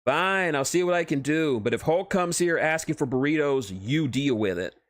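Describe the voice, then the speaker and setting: A man's voice: fairly high pitch, lively intonation, normal speed, no room sound, clean studio sound, voice pushed up, natural voice. A man voicing a brash, petty restaurant boss who is glib and whines when challenged, in a comic story reading. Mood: grudging.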